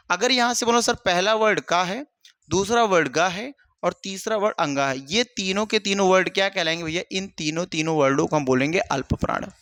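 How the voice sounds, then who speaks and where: A man's voice: sits high, a bit bright, dry recording. A male teacher giving an exam-prep grammar lesson, asking the class questions and answering them himself, with a lot of repetition. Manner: repetitive, asks and answers his own questions, calls students brother.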